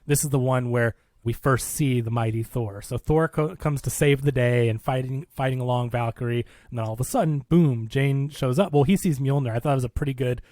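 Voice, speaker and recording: A man hosts a casual film discussion at a middling pitch. He talks like a storyteller, in everyday colloquial phrasing. The sound is dry, with no room around it. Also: a little fast, few pauses, a little mellow, dry recording. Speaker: film podcast host. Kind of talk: casual movie review chat, recapping a plot.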